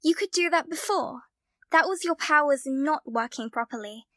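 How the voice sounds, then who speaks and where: A woman acting a blunt, suspicious, sharp-tongued young woman in an audio drama. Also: high voice, moderate pace, dry recording, clean studio sound. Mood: explaining.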